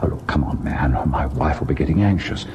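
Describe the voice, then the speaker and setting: An actor playing a haunted husband who tells and relives a ghost story in a grave, deliberate radio drama style. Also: male voice, rumbling low. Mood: shaken, defensive. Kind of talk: old-time radio ghost story acting, narrating and in scene. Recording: noisy old radio drama recording.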